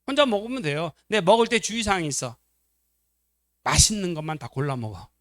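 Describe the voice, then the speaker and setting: High-voiced, animated male preacher. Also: a little fast, no echo, studio quality. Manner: animated storytelling, acts out quotes, questions the congregation. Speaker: pastor. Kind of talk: sermon at a family seminar. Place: church.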